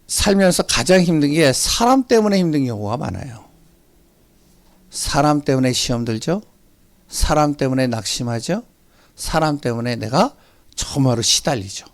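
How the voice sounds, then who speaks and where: Animated gravelly-voiced male preacher. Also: fairly high pitch, dry recording. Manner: animated storytelling, rhetorical questions to the congregation. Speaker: pastor. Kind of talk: sermon with personal stories. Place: church sanctuary.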